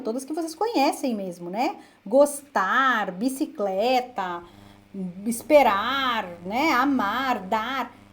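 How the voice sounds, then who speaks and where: A young woman with a Brazilian accent runs an English pronunciation class. Her voice sits high and she talks in an emphatic, animated way. She repeats each word over and over so learners can follow along. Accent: Brazilian Portuguese. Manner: lively, emphatic, repeats words for drilling. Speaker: English teacher. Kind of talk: online English pronunciation lesson.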